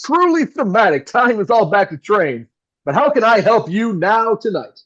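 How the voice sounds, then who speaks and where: An actor playing a polished, wry and nervous live radio host in an audio play, with a theatrical announcer delivery. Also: male voice, sits high, big pitch swings, moderate pace, a bit bright, dull audio, heavily acted. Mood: wry, showy. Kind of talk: old-time radio play acting.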